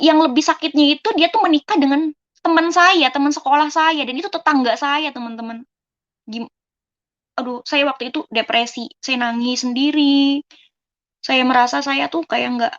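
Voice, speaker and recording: A woman in her twenties from Indonesia, telling her own life story to an audience in a casual, conversational way and often turning to the listeners. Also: high-pitched. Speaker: person giving a testimony. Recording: dull lo-fi recording.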